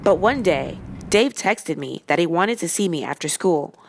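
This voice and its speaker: A woman with a fairly low voice narrates a first-person story. Her telling is casual and confessional, as if letting the listener in on a secret. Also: expressive, moderate pace, vocal fry.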